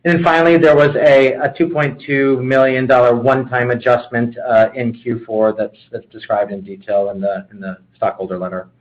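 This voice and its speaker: A man's voice: medium pitch, level tone, moderate pace, few pauses. A man speaking as a company executive, explaining business matters on a conference call. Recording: dull conference call audio.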